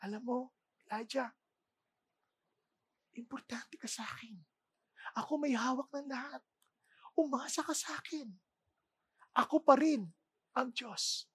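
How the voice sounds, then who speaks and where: A woman voicing God as a gentle, fatherly speaker in a whispered role-play, soft and hushed, with a dry, close sound. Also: high voice, unhurried, long pauses, husky, dry recording, exaggerated voice. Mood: intimate.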